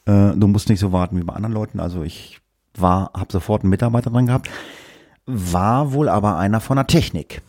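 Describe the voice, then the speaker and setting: Male podcast co-host, low and husky, spins a loose chatty anecdote with lots of ums. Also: fairly quick, a little mellow, no room sound, studio quality. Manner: rambling anecdote full of fillers, acts out the dialogue. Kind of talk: casual storytelling chat.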